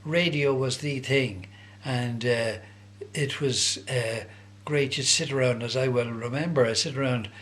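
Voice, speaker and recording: A man's voice: mid-range voice, fairly even intonation, unhurried, hardly any pauses, a bit bright. Older Dublin man reminiscing, hesitant and conversational. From Dublin, Ireland. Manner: hesitant, conversational, searching for words. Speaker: interviewee recalling his youth. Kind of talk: casual reminiscing.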